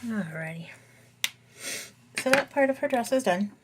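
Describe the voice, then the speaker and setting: A woman's voice: a little high, animated, a little slow, noisy background. Slightly froggy woman chatting while coloring. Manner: chatty, thinking aloud while working. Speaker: coloring tutorial host. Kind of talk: casual voice-over demonstration.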